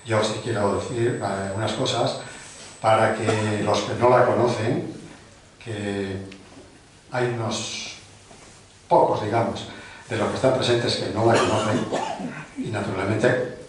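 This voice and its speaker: A man's voice: lowish voice, steady tone, a little slow, long pauses. An older man hosts a book presentation in a big, very echoey hall, heard from far off the mic. His speech rambles casually, with little self-deprecating jokes, and there is a faint hiss underneath. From Spain. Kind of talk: informal welcoming speech. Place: large hall of a cultural club, indoors.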